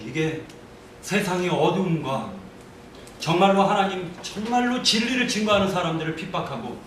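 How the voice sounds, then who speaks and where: Vehement man preaching in an echoey room. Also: fairly high pitch. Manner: vehement, denouncing, rising to anger. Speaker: church member giving testimony. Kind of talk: impassioned testimony. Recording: echoey room, voice from far off, faint noise.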